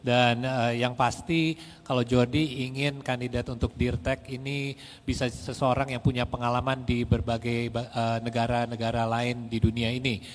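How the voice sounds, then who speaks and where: Male moderator-interpreter, medium pitch, chatty and rephrasing, heard with long hall reverb. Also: little pitch movement, moderate pace. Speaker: interviewer and interpreter at a press event.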